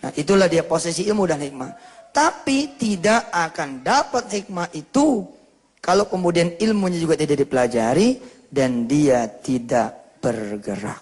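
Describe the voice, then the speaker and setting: Preaching through a story, this man brings it alive by performing each character's lines. He speaks on the high side at a moderate pace with a husky voice, and the hall reverberates around him.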